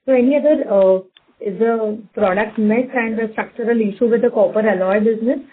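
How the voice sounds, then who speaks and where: A woman asking wordy, haltingly phrased questions as an analyst on an investor call. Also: fairly high pitch, breathy edge. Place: conference phone call. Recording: thin phone line with faint noise.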